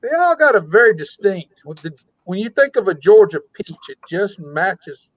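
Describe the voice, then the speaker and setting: High voiced guy chatting relaxed, dry close mic. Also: normal speed, no echo, lo-fi sound. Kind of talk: casual chat.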